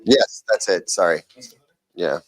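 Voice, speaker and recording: A man's voice: deep voice, slow, background noise. A man chatting casually on a livestream as a panelist, joking and self-deprecating in a wry way. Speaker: TV shootout panelist. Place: TV viewing room.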